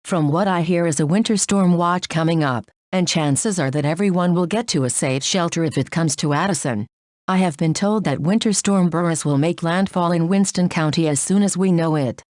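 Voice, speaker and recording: Low-pitched woman presenting radio weather. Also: moderate pace, a little mellow, no echo, studio quality. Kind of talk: scripted radio weather update.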